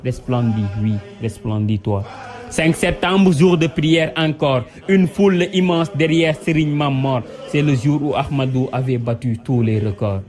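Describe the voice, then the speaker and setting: A man's voice: mid-range voice, measured pace, a little mellow. A man reciting a devotional poem in a solemn, emphatic, rhythmic and exalted declamation. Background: music under the voice.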